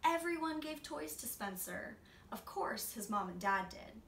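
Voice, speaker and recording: A woman in her twenties gives an expressive children's read-aloud. Her voice is bright and medium in pitch. The room is audible around her, with faint noise. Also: unhurried, vocal fry, far from the mic. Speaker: storybook reader. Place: small indoor room, seated. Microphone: camera a few feet away. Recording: roomy, off-mic, faint noise.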